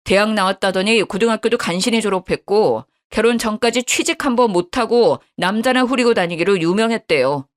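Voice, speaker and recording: A woman's voice: mid-range voice, fairly quick, hardly any pauses. A woman in her fifties narrating a true-life story in a radio style. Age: 50s.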